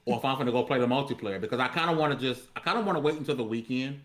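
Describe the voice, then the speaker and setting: A man with a bright, punchy voice of middling pitch talks casually on a gaming podcast. His delivery is lively and slangy, with emphatic stress on his points. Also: racing.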